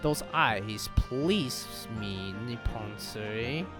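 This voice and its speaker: A man uses a put-on character voice with a fairly low pitch. Loud music plays in the background. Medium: read story. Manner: slow, sinister.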